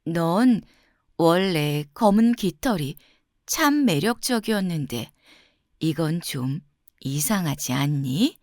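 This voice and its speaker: A woman voicing a poised storybook peacock with a measured, softly questioning manner. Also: lowish voice, lively intonation, no room sound, clean studio sound, pitched below the performer's own voice. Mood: puzzled, disapproving.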